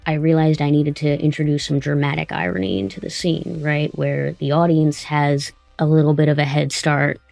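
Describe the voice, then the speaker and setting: An interview host and audio drama writer with a creaky voice, talking conversationally. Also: medium pitch, completely flat delivery, normal speed, hardly any pauses, darkish tone, no echo, faint music behind.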